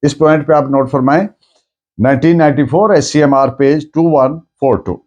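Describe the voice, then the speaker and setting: A man with a Pakistani accent lecturing on law in a didactic, deliberate way, restating points in plain words and mixing in English terms. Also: fairly high pitch, steady tone, darkish tone.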